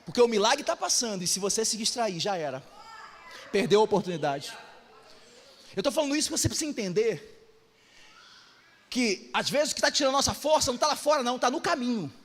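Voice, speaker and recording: A man with a Brazilian Portuguese accent preaching a fervent sermon, often rising to shouted exhortations, in an echoey church hall. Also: very high voice, big pitch swings, fast talker, long pauses. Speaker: pastor.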